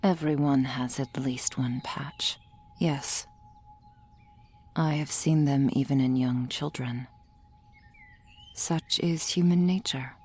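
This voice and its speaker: A woman playing a gentle, reassuring soul healer in an ASMR roleplay, speaking in a soft, formal whisper. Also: rumbling low, steady tone, slow pace, pauses often, slightly rough, heavily acted. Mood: soothing whisper.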